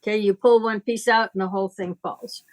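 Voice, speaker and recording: A woman speaking conversationally as a spiritual teacher, deliberate and emphatic, with a moralizing way of talking. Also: medium pitch, fairly even intonation.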